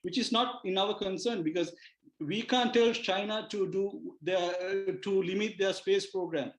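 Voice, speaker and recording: A man with a Sri Lankan accent arguing as a TV debate panelist, halting and repeating words. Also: sits high, steady tone. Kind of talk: argumentative live TV debate. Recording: roomy, echoing remote guest feed.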